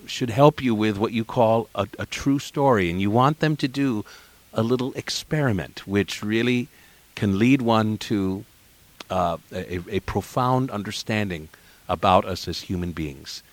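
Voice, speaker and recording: Male radio host, low voice, dry studio sound, measured and reflective. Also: no room sound. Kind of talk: radio interview.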